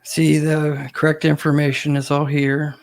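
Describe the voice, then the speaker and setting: A man hosting his own channel, talking casually to viewers with a hoarse voice from a cold, full of ums and uhs. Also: fairly high pitch, monotone, unhurried. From Ohio, US. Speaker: host.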